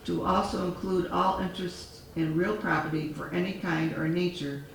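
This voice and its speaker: A man on a town board reading a formal resolution aloud in a measured way, losing his voice, recorded in a town hall. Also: sits high, steady tone, gravelly. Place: town hall meeting room. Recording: echoey hall, far from mic, faint noise.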